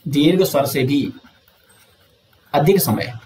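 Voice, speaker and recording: In an echoey room, a man with a fairly high, darkish voice gives an exam coaching lesson. He walks through the material step by step, poses questions and answers them himself, and stretches out sounds slowly to demonstrate them.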